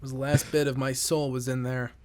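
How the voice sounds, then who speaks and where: A man's voice: mid-range voice, little pitch movement, brisk, darkish tone, a little hiss or hum. Jokey man chatting on a podcast. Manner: jokey, bursts into mock announcer voices. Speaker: podcast host. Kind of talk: casual chat.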